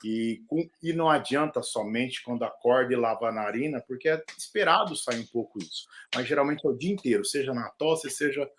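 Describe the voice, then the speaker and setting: Man, middle-aged, doctor, casual explainer, medium pitch, live video call. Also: a little fast, hardly any pauses, slight background noise. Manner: explanatory, animated, jokey asides. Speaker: pulmonologist. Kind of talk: casual live-stream medical chat.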